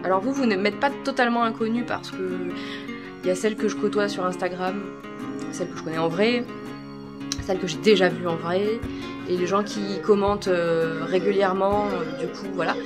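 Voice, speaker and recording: A woman's voice: mid-range voice, steady tone, normal speed, loud music behind the voice. A woman vlogger chatting casually to her followers, with a rambling, self-interrupting way of talking. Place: at home, kitchen.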